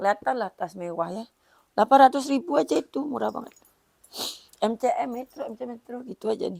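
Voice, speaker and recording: A woman's dark, mellow voice with vocal fry races at a very fast pace. Her pitch swings very widely and her loudness shifts greatly, in a dry, close sound with no echo. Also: fairly high pitch for a woman. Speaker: online seller of used branded bags. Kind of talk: product unboxing sales video. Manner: casual, chatty.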